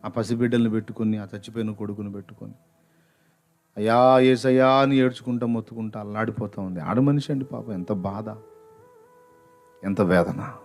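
A man's voice: brisk, gravelly. Dramatic male pastor telling a story. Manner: dramatic, swinging between loud outbursts and hushed lows. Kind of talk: sermon storytelling. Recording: faint background music.

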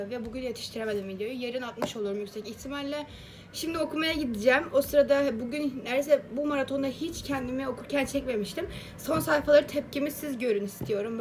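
A woman with a high, light voice chats to her viewers about the book she is reading. She talks in a lively, expressive way and addresses them like friends. A faint hiss sits under the recording. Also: quick pace. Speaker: book vlogger. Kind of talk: casual reading-marathon vlog.

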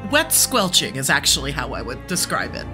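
A woman playing an earnest, shaken seer in an actual-play audio drama, speaking deliberately and dramatically. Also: low voice, huge pitch swings, over music. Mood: grave. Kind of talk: actual-play role-play narration.

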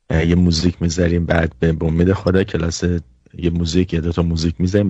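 A man hosting a talk show, thanking his guest and announcing music, polite and halting, repeating words. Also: sits low, darkish tone, dry recording, muffled recording. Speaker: host.

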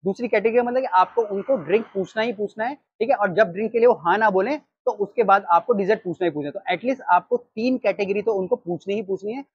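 A man in his thirties with an Indian accent, teaching restaurant staff how to take orders in an animated way. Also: high-pitched, quick pace, hardly any pauses, slightly rough, dull audio. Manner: animated, gestures while reading from a sheet. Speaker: restaurant trainer. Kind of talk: training talk. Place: storefront of a small takeaway, outdoors. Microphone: lapel mic.

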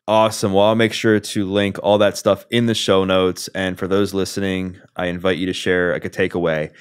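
A man in his thirties hosting a podcast interview, relaxed and casual with many filler words, on a studio mic. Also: lowish voice, clear, resonant tone. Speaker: podcast host. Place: small room, video call. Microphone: studio mic on boom arm with headphones.

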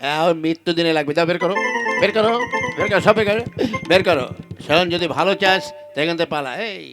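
A young club thug acted by a man in a puppet comedy, loud and domineering over background music. He barks like a bullying extortionist. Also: fairly high pitch, fast talker, lightly acted. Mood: menacing. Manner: loud, barking, commanding. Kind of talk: Bengali puppet-show comedy dialogue. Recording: music under the dialogue.

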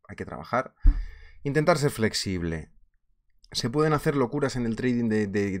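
Man, thirties, Spain Spanish accent, chatty online teacher, animated, webcam in small office. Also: on the low side. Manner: chatty and animated, laughing often, gesturing with hands. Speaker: trading instructor. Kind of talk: casual live webinar teaching.

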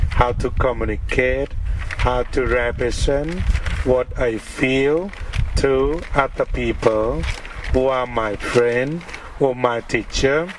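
Thai-accented monk, slow and deliberate. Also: male voice, medium pitch, a little hiss or hum, rough recording. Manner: slow, deliberate, speaks in short phrases. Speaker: Buddhist monk. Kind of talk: dharma talk. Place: outdoor park gathering.

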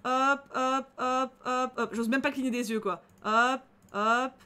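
A young woman narrating her own game playthrough in lively, chatty commentary. Her voice sits high, and she swings readily into excited squeals and groans. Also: slow pace, smooth. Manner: excitable, chatty, emotional reactions. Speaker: gaming channel host. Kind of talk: let's play commentary.

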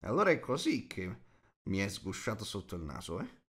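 A man's voice: fairly low pitch, wildly swooping pitch, normal speed, a bit bright, husky, heavily acted. A man voicing an old male dwarf in an audiobook, muttering to himself with grudging, amused admiration.

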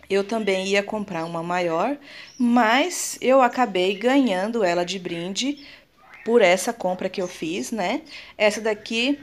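A woman's voice: on the low side, slight background noise. A woman with a Brazilian Portuguese accent gives a casual show-and-tell vlog. She is chatty and affectionate, uses lots of diminutives, and keeps turning to her viewers. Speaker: plant vlogger.

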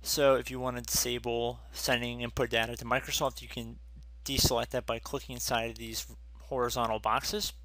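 A man's voice: medium pitch, level tone, a little fast, a bit bright, no room sound. A man narrating a screen-recorded computer tutorial, casually walking viewers through each step.

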